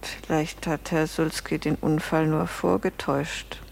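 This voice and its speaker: An actress playing a guarded innkeeper's wife under questioning in a radio crime drama, terse, controlled and defiant. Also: female voice, sits low, flat delivery, unhurried, gravelly, slight background noise, low-quality recording. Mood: cool, defiant. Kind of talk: German radio play acting.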